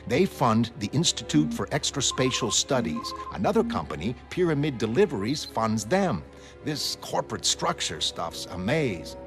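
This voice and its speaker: An earnest nerdy ex-hero. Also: male voice, medium pitch, sing-song, moderate pace. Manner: earnest, analytical, urgent. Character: earnest nerdy ex-hero, man, middle-aged. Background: music.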